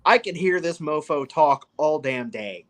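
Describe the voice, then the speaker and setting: A man guesting on a casual movie review podcast, enthusiastic and quick to laugh. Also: a little high, lively intonation.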